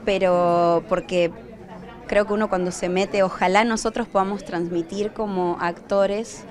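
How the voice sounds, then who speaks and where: A woman's voice: medium pitch, fairly even intonation, measured pace. A woman, an actress, speaking personally and sincerely in a casual interview. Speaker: actress and singer.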